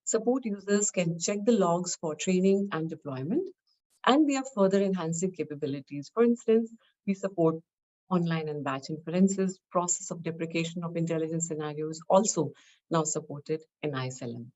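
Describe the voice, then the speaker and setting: A woman giving a scripted technical product presentation, explaining in measured, short phrases. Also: fairly low pitch, a little mellow, dull audio.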